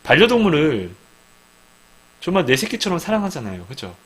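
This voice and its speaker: A man's voice: a little high, wildly swooping pitch, a little fast, fairly bright tone, slightly rough, rough recording. A man giving an informal sermon, often asking the listeners questions and acting out quoted speech. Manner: asks the listeners questions and acts out quoted dialogue. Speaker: Christian speaker giving a devotional talk.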